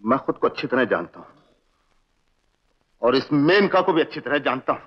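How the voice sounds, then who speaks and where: An actor playing a loyal, wisecracking family friend in a 1960s Hindi film, joking at times and earnestly pleading at others. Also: male voice, mid-range voice, big pitch swings, moderate pace, slightly rough. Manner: joking one moment, pleading the next. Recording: dull old film soundtrack with music.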